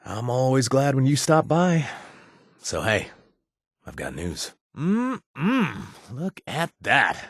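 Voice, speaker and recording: Husky, roguish wasteland companion. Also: male voice, mid-range voice, huge pitch swings, slow pace, no room sound, studio quality, heavily acted. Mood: friendly, teasing, then tender, flirtatious. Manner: hesitant, teasing, conversational drawl. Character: roguish flirtatious male wasteland companion, sly and affectionate. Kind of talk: video game companion dialogue.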